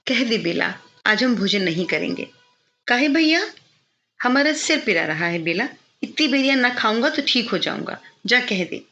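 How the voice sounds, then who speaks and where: A woman's voice: a little high, expressive, moderate pace, pushed and bright. A woman reading the lines of a remorseful, lovesick young male student, pleading with himself in anguish. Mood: weary. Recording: slightly dull lo-fi recording.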